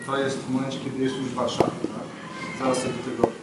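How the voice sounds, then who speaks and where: A man's voice: mid-range voice, little pitch movement, fast, very noisy. A man working as a drama director, giving informal instructions at a rehearsal. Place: large radio studio hall. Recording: echoey hall with music behind.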